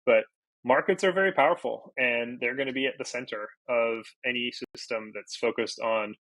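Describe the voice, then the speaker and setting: A man's voice: medium pitch, moderate pace, fairly bright tone, no room sound, low-quality recording. A Portuguese-native man from Brazil, a podcast guest, talking casually and thinking aloud with many fillers and restarts. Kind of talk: casual interview talk.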